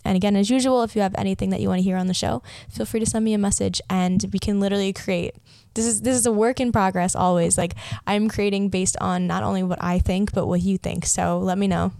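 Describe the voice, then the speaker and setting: A woman's voice: medium pitch, steady tone, brisk, vocal fry, darkish tone, dry recording. Chatty young woman podcaster, dry sound. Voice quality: slight lisp from a watering mouth. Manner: chatty, rambling, many "like" fillers. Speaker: podcast host. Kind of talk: casual solo podcast chat.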